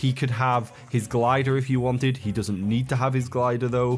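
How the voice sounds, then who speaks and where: Moderate pace against noticeable background noise. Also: man. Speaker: gaming YouTuber. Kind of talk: unscripted commentary. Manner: animated, excited.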